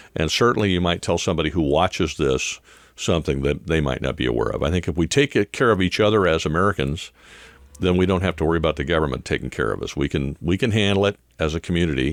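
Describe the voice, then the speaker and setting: A man's very deep, low voice with vocal fry, very fast pace and ordinary pitch variation, on a very clean recording with a silent background. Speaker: security and firearms trainer, video host. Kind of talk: casual interview chat. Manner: stutters often.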